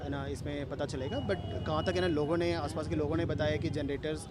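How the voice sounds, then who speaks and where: A man's voice: fairly high pitch, fairly even intonation, rapid-fire, over a noisy crowd. An Indian man giving an impromptu press statement as an official, repeating a filler tag and mixing in English words. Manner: repetitive verbal tag, Hindi mixed with English words. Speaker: local official briefing press. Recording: very noisy outdoor location, traffic.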